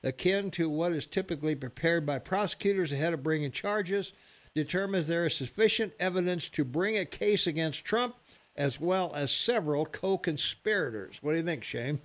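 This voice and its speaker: A man's voice: on the high side, expressive, moderate pace. A man in his sixties hosting a radio talk show, chatty and laughing often, reading headlines and phone numbers. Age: 60s.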